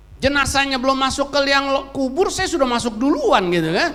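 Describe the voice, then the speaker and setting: Amid audible room echo, a man with extremely high pitch and an animated tone speaks at a moderate pace with ordinary pitch variation. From Indonesia, Jakarta. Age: 60s. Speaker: pastor. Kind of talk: sermon. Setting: church. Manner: animated, humorous storytelling.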